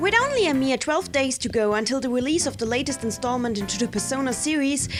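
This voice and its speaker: Over music in the background, a woman with a non-native accent talks at a fairly quick pace in a high pitch. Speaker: anime and game reviewer. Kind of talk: video review narration.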